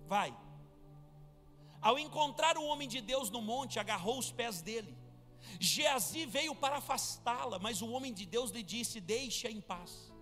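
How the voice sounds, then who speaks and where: Fervent preacher, high voice, reverberant hall. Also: male voice, expressive, a little slow, fairly bright tone. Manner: fervent preaching, calls the church to respond. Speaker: pastor. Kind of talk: live sermon. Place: church. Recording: reverberant church hall with music.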